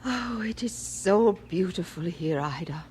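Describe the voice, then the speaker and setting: A woman's voice: on the low side, animated, measured pace, slight background noise. An actress playing a frail, fond old missionary mother in her eighties, reminiscing wistfully in a Christian audio drama. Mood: wistful, playful. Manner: wistful, gently dramatic storytelling with sighs.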